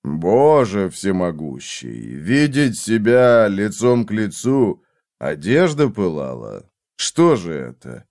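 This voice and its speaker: A man voicing a brutal vengeful man who interrogates in a harsh, slow, menacing way. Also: fairly low pitch, wildly swooping pitch, a little mellow, pitched below the performer's own voice, heavily acted. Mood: stunned.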